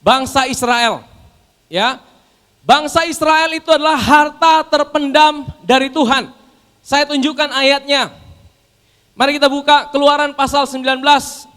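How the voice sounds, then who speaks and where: High, bright-voiced preacher in a hall. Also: male voice, fairly even intonation, unhurried, pauses often. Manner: preaching, addressing the congregation as brothers and sisters; asks the congregation questions and answers them himself. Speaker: pastor. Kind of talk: sermon. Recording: long hall reverb.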